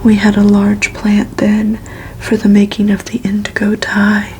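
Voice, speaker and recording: A woman reading a story aloud in a hushed, unhurried, soothing ASMR whisper, as if for relaxation. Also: medium pitch, monotone, slight background noise, poor audio. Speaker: ASMR reader.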